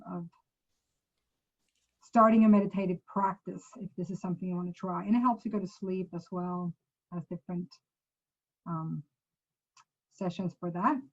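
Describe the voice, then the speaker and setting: A woman's voice: lowish voice, highs cut off. Swedish-accented woman giving a chatty demo. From Sweden. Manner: chatty, loose, frequent self-corrections. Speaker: presenter. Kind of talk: casual screen-share app demo.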